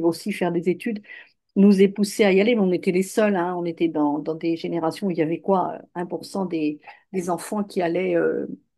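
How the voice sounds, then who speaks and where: Against a quiet background, a woman talks at a moderate pace and medium pitch, her tone dark and mellow and her intonation fairly even. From rural France. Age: 70s. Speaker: spiritual coach. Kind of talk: interview. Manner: halting.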